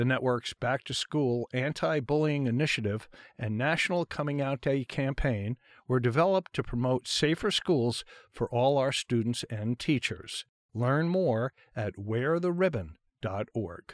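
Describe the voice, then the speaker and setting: In a very clean recording with a silent background and a dry, close sound with no echo, a man with a normal speaking voice talks at a fairly slow pace, medium pitch and lively intonation. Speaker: radio host. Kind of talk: station announcer: calm, routine radio patter giving weather, station IDs and song intros. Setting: radio studio broadcast. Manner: relaxed, unhurried, conversational, with easy 'uh' fillers and steady even pacing.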